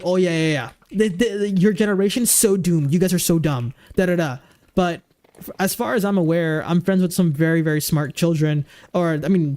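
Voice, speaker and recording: A young man in his twenties talks to his stream in an easygoing, rambling way, tripping over restarts and fillers. His voice sits a little high, with a warm, mellow tone and a goofy edge. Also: clean tone. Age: 20s. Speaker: livestreamer. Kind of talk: casual livestream chat.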